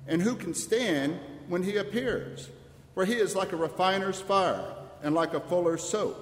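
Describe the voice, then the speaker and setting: A man reading scripture aloud at a church service in a formal, measured, declamatory way. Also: sits high, lively intonation. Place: large church. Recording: very echoey church, long reverb.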